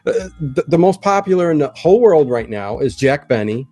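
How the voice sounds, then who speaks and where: A man's voice: a little high, big pitch swings, fairly quick, mellow, no echo. A man who makes an online show, chatting casually and earnestly. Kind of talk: casual chat.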